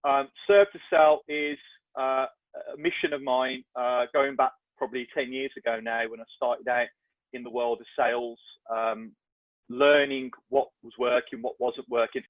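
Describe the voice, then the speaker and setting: A man with a Black Country accent chats as a podcast guest, sounding self-deprecating and restarting his sentences a lot. His mid-range voice is flat and moves at normal speed, with no room sound, over a tinny, dry line like a phone's.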